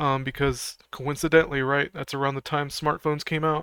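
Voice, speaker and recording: Fairly high in pitch, a man's voice has a bright, sharp tone. The sound is dry and close with no echo, on a very clean recording with a silent background. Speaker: video commentator. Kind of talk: reaction video commentary. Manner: deliberately not loud.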